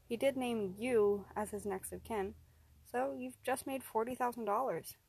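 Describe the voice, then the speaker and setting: A woman reading the lines of a sinister man who speaks in a calm, detached way. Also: a little high, a little slow, gravelly, slightly rough, exaggerated voice. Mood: cold. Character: cold, sinister man controlling people.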